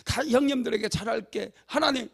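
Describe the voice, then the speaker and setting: A man's voice: extremely high pitch, a little fast, gravelly, exaggerated voice. A man acting out a desperate young man pleading with his brothers during a sermon. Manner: desperate, begging.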